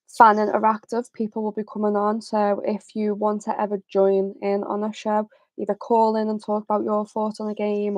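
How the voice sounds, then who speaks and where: A young woman hosting a football livestream, chatting casually with a slightly raspy voice and plenty of fillers. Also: medium pitch, no room sound. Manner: chatty, relaxed, many fillers. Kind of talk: casual live chat.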